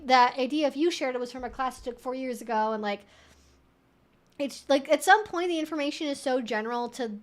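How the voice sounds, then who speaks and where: A woman hosting a casual question-and-answer livestream, talking in an animated, emphatic way with conversational asides. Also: high-pitched. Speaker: livestream host.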